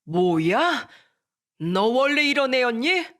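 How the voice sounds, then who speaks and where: A storyteller voicing a middle-aged working man, a father who raises his voice in loud indignation. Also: very high voice, very animated, slow pace, voice pushed up, exaggerated voice. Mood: indignant. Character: hardworking older father, plumber, hurt and angry. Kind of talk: storybook narration.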